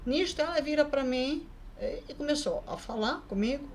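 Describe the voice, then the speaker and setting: A woman vlogger telling a personal story in a casual, lively way, often adding quick tag questions. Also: high-pitched, slight background noise. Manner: lively, acts out the people in her story.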